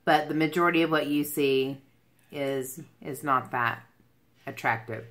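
At a measured pace, a woman of about forty-six takes viewer questions on her casual beauty livestream, broadcast from a small furnished room at home. Her slightly low voice carries a clear brightness. Her talk meanders, skipping between thoughts.

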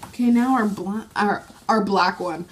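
A woman's voice: medium pitch, a little slow. A young woman swatching a makeup palette in a casual vlog, gushing with gasps and exclamations. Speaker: beauty vlogger.

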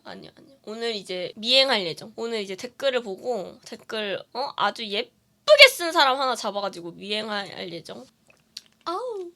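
A woman chats playfully with her viewers on a casual live stream, her voice high and very animated as it jumps around. She sounds bright and sharp. She answers comments in a loose, joking way from a dim room on her webcam. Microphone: webcam streaming setup.

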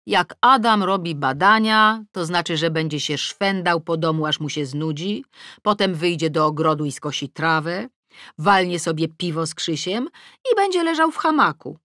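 A woman narrating a first-person comic novel in a lively, exasperated storytelling manner. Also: fairly low pitch, normal speed, dry recording, clean studio sound. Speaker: audiobook narrator.

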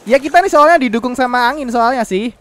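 High-voiced joking male gamer. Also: fast, fairly bright tone. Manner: teasing, laughs often, playful exclamations. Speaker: gaming YouTuber. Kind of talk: gameplay banter.

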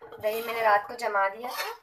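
A woman's voice: on the high side, animated, moderate pace. A woman vlogger chatting homely and casual while she cooks in her home kitchen. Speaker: cooking vlogger. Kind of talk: casual cooking narration. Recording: noisy kitchen recording. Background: clatter of pots and dishes.

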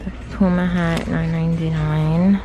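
A woman narrating a casual shopping vlog, calmly listing items and prices as she walks through a large store while filming on a phone. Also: a little slow, dull audio. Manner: low-key, steady price-listing commentary. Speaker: shopping vlogger. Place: large retail store, indoors. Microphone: handheld phone camera. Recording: store noise in background. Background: store ambience noise.

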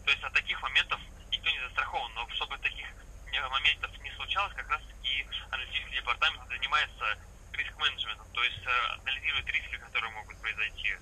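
A man giving a formal, patient phone sales pitch as an investment salesman, heard through a phone speaker in a vehicle. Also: fast, sharp tone, a little hiss or hum, low-quality recording. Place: phone speaker inside a parked vehicle cab.

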